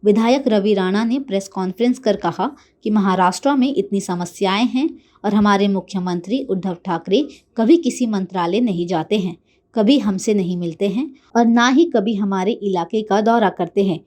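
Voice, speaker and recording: A woman news anchor reading a scripted bulletin in a formal, measured manner. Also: mid-range voice, a little mellow.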